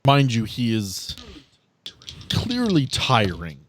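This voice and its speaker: A man acting as game master, narrating casually with deliberate, halting phrasing. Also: mid-range voice, wildly swooping pitch, fairly bright tone, a little hiss or hum. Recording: music behind.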